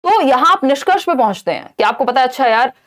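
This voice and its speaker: This exam-prep lesson comes from a young woman with a high, very animated voice and a fast delivery. She works through the material in Hindi with English terms woven in, raising rhetorical questions and supplying the answers.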